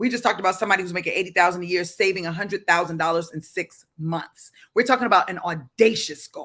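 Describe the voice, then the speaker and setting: With a Baltimore accent, a woman talks very fast in an animated, bright, sharp tone, her pitch varying in an ordinary way and her loudness swinging widely. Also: medium pitch for a woman, hardly any pauses. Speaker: business coach. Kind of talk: motivational livestream talk.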